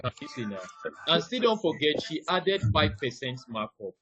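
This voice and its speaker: A man's voice: on the high side, very animated, normal speed, sharp tone, a little hiss or hum. A man running a live online ticketing class over a video call. He walks through each step, keeps saying "now", and quizzes the listeners. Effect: heard over a video call. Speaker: ticketing trainer. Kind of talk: live online training presentation. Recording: dull, dry video-call audio.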